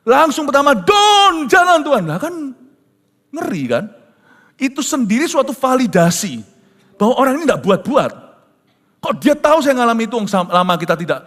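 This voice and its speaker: A man preaching a sermon as a pastor, telling a story dramatically and slipping in English phrases. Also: very high voice. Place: large church hall. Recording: long church reverb with soft music.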